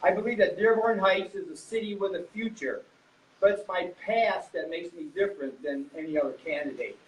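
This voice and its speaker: A man's voice: sits high, fairly quick. An older man giving a candidate statement in a chatty, offhand way, with informal asides. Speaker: council candidate. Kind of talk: opening statement. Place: public meeting hall. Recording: echoey hall, distant mic, faint noise.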